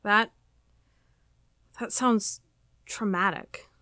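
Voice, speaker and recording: An actress plays a determined female FBI agent in an audio drama. Her voice sits at a middle pitch, measured and probing, recorded dry and close. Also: pushed and bright, no room sound. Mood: probing, concerned.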